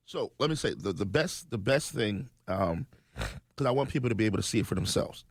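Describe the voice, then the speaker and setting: An earnest man speaking as a radio studio guest, often restarting his sentences. His low voice has a gravelly edge, and the recording is close and dry. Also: lively intonation, brisk, no room sound. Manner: earnest, many ums and restarts. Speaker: state legislator guest. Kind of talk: conversational radio interview.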